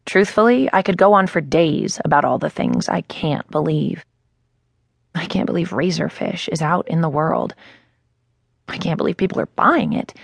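A woman's voice: sits low, normal speed, vocal fry, slightly rough, no echo. A woman narrating a first-person novel in a wry, conversational way on a close studio mic. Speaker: audiobook narrator. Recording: dry studio booth.

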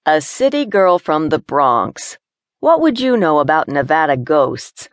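A woman voicing an easygoing, teasing young man from the countryside who stays calm. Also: sits low, measured pace, no room sound.

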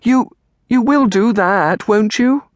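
A very high, tearful young girl of about eleven, acted out by a male narrator, pleading and halting in a storybook tale. The voice swoops with feeling and is recorded close and dry. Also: wildly swooping pitch, dry recording, heavily acted. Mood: eager, pleading. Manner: tearful, halting, stammering on first words. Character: distraught, pleading eleven-year-old orphan girl.

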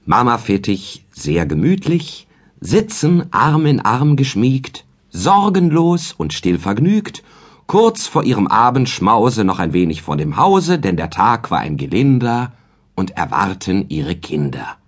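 Husky man reciting comic verse. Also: unhurried. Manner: lively, sing-song rhythmic recitation with wide pitch swings. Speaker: audiobook narrator. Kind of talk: scripted narration of a comic verse tale.

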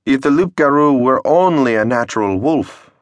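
Pompous village mayor read by a man, halting and ponderous, dry storybook voice. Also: mid-range voice, animated, dry recording, voice pushed up, lightly acted.

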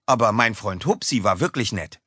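A man's voice: on the low side, animated, normal speed, bright, forceful tone, slightly rough, no echo, studio quality, full character voice. A man voicing a young male cat schoolboy who talks earnestly in an audiobook for children. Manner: earnest, eager. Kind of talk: audiobook character voice.

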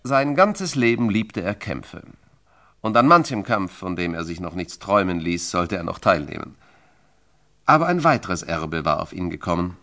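A man's voice: low voice, very animated, normal speed, sharp tone. A man narrating a biography from a script in a dramatic, emphatic and solemn storytelling style.

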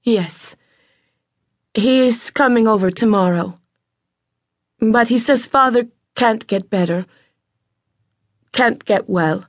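A woman's voice: fairly high pitch, slow, long pauses, dry recording, clean studio sound, pitched above the performer's own voice. A woman reading a firm, earnest young woman. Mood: somber. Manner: firm, earnest, slightly raised voice.

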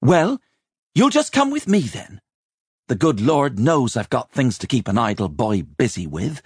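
A man's voice: medium pitch, sing-song, a little slow, husky, no echo, studio quality, pitched above the performer's own voice. A man voicing a cross, exasperated older head chambermaid who barks and scolds in a storybook reading. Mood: impatient, scornful. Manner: barking, exasperated, dramatic swoops. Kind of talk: audiobook character voice.

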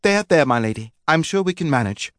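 A man's voice: fairly high pitch, lively intonation, brisk, a bit bright, no room sound, studio quality, pitched above the performer's own voice. A man voicing a flustered, polite young Regency wife who falters when pressed.

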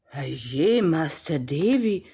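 Husky, low-voiced homely nursemaid. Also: female voice, very animated, drawn-out words, dark tone, exaggerated voice. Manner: folksy, fussing and teasing. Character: homely, kind-hearted old nursemaid. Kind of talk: radio drama acting.

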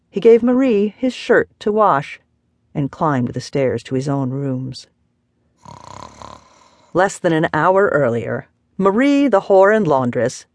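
A woman narrating a novel as an audiobook, measured and expressive. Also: low voice, no echo, studio quality. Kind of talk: scripted narration.

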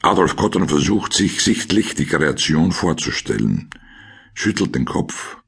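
Ein Mann mit österreichischem Akzent und rauer Stimme, der sachlich und trocken die Szenen eines Krimi-Hörspiels erzählt. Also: male voice, a bass voice, very animated, a little slow. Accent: Austrian. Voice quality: gravelly, husky. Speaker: narrator of a crime audio drama. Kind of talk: scripted scene narration in present tense.

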